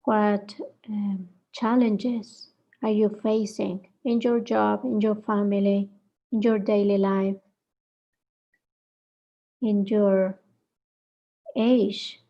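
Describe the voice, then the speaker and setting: A woman leading a guided meditation, speaking gently in short phrases with reflective pauses between them. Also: mid-range voice, little pitch movement, dull audio.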